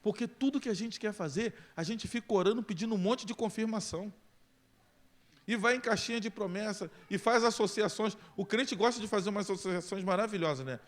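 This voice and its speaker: A male pastor with a Brazilian Portuguese accent preaching a sermon, swinging from loud emphasis to quiet intensity. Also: sits high, fairly quick.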